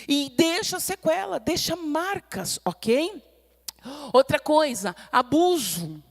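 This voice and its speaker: A middle-aged Brazilian woman preaching with a high, bright voice. She teaches with emphasis, pressing each point home, and slips into acted-out voices when she quotes someone. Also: sing-song, slow. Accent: Brazilian Portuguese. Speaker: pastor. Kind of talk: sermon teaching.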